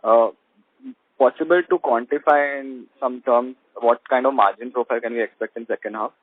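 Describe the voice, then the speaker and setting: A male analyst with an Indian accent poses questions on a conference call. His mid-pitched voice sounds dry and thin, squeezed through a telephone line. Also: steady tone, moderate pace, husky, no room sound. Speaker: analyst caller. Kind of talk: asking questions on an earnings call. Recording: dry tinny phone line.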